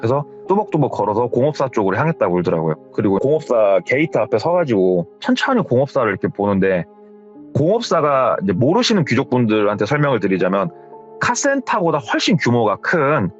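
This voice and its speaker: Lively male horror storyteller. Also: medium pitch, a little fast, lo-fi sound, faint music behind. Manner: conversational, retells secondhand with hearsay endings. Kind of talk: casual spoken storytelling.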